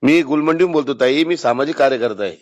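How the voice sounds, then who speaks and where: A man's voice: mid-range voice, fast, no echo. A man with a Marathwada Marathi accent, a social worker on a phone call, giving insistent, colloquial advice and persuasion. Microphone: phone call recording.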